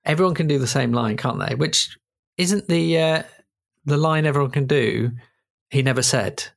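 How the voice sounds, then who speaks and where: A man's voice: on the high side, moderate pace, vocal fry. A man co-hosting a podcast, chatting casually and asking quiz questions with dry, wry jokes. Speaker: podcast co-host.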